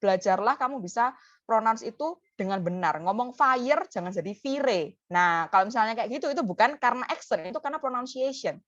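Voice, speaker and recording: Webinar speaker lady, higher voice, chatty explainer, kinda muffled call audio. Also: animated, fast, no echo. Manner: casual, mixes in English phrases, gives examples. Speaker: English literature speaker.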